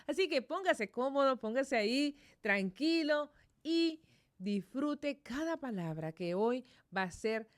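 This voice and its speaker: Middle-aged lady host on christian radio, gushy, lots of blessings n wows, mid pitch. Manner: effusive, repeating blessings and exclamations. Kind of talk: radio interview. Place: radio studio.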